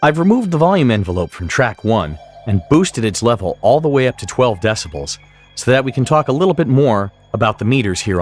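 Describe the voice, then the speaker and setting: A man narrating a scripted software tutorial as an instructor, in a measured, explanatory way. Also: mid-range voice.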